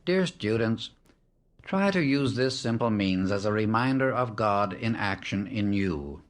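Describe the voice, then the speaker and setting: A man narrating a scripted spiritual discourse as an audiobook, solemn and measured, setting out short phrases with emphasis. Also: lowish voice, animated. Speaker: audiobook reader.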